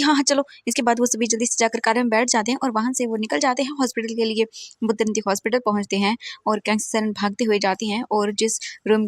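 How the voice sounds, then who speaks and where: Woman, story narrator, fast pace, dry close sound. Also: a little high, dry recording. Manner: hurried, repetitive. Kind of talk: fan fiction story reading.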